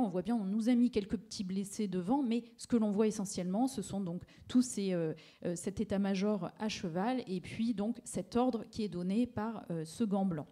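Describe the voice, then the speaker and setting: Hesitant woman giving a lecture, mellow voice. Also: medium pitch. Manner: hesitant, many fillers and restarts. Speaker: art historian lecturer. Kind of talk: public lecture with slides.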